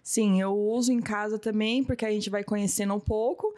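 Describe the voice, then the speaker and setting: A woman in her thirties speaks in a casual interview, her voice mellow and warm. She is a massage therapist who tells her story with many retold exchanges, acting out the voices. Her pitch sits in the middle. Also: steady tone, fairly quick. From Brazil. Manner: storytelling, often acting out what she and others said.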